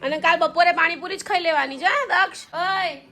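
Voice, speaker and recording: A woman's voice: very high voice, fairly quick, sharp tone, faint music behind. A mother in her thirties chatting to camera in a casual family vlog, scolding and teasing her sons. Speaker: mother and vlogger.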